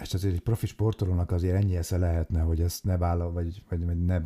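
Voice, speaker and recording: A man with a very deep, low pitch and a dark, mellow tone speaks very fast, somewhat breathy and monotone, on a very clean recording with a silent background. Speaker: sports podcast co-host. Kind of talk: casual chat.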